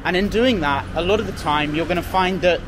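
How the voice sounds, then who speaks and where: A dating coach in his twenties talks casually and playfully on a busy city street, giving commentary for a street approach vlog with traffic noise around him. His voice is high-pitched and a little fast, and his manner is relaxed and chatty.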